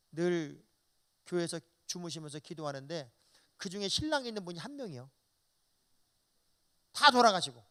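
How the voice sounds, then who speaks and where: Male pastor, fifties, revival preacher in a church; high-pitched, swooping delivery, folksy and animated. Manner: animated, folksy, acts out quoted dialogue. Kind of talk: revival sermon.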